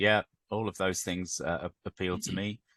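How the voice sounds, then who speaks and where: A fairly slow, fairly evenly intoned voice with an English accent, dry and close with no echo, over a quiet background. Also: man. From England. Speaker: ecologist and PhD candidate, podcast host. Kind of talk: casual conversation. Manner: halting, many fillers.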